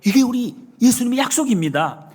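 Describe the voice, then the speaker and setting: Husky-voiced Korean pastor preaching animatedly. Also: male voice, extremely high pitch, fairly quick. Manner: animated preaching, rising to emphatic calls; retells scenes with acted quotes. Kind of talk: sermon. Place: church sanctuary. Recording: long hall reverb.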